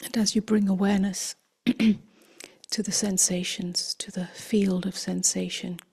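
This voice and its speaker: A woman meditation teacher leading a guided contemplation in a gentle, breathy, near-whispered voice, unhurried and with long pauses. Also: mid-range voice, little pitch movement.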